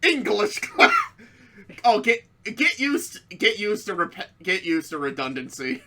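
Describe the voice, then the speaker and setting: A woman's voice: medium pitch, wildly swooping pitch, a little slow, sharp tone. A woman giving a theatrical comedic reading of fan fiction as narrator, with casual banter.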